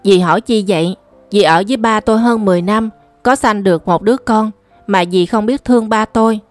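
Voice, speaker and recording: A woman's voice: medium pitch, a little fast, dry recording, soft background music, natural voice. A woman voicing an angry, stubborn young boy who answers back defiantly. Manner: defiant, reproachful retorts.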